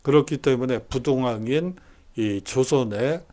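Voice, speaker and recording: A man's voice: mid-range voice, a little slow, darkish tone. A man giving a recorded university history lecture, explaining steadily with frequent hesitation fillers.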